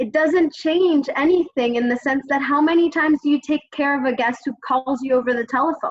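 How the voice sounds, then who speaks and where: A woman talks in a high voice with hardly any pauses. Her intonation stays fairly even. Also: fairly quick pace. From Colombia. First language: Spanish. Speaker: hospitality trainer. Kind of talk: lecture. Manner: fast.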